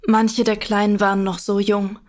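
A woman acts an older child crusader telling her memories in a radio drama. The female voice is measured and earnest, staying very level in tone. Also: mid-range voice, level tone, a little mellow, lightly acted. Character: older child crusader recalling the little ones. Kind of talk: scripted radio drama narration.

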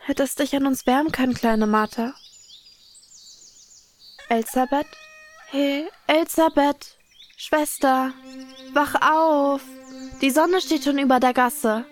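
High-voiced caring older peasant sister played by actress. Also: female voice, slow pace, long pauses, a little hiss or hum. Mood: tired, tender. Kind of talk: radio drama acting.

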